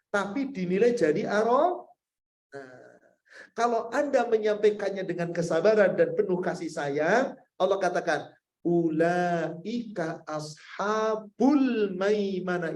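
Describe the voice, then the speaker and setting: High-voiced man preaching a sermon. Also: darkish tone. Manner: conversational, asks the audience many rhetorical questions; addresses listeners directly as sir and madam. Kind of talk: Islamic sermon with Q&A.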